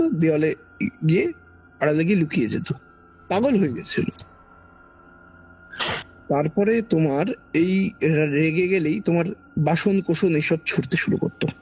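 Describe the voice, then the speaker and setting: A man with a Kolkata Bengali accent and a husky, gravelly voice recounts an eerie personal experience in a conversational, dramatic way, repeating phrases for emphasis. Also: high voice, moderate pace, long pauses, darkish tone. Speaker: podcast guest recounting a personal ghost experience. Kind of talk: conversational ghost-story telling. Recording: dull lo-fi audio under background music. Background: background music.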